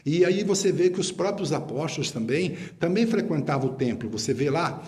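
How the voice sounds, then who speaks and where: A man preaches in a somewhat high voice, pressing his points home. He rebukes his listeners and hammers each phrase again and again for emphasis. The delivery is an emphatic sermon. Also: animated, brisk, darkish tone. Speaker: apostle preacher.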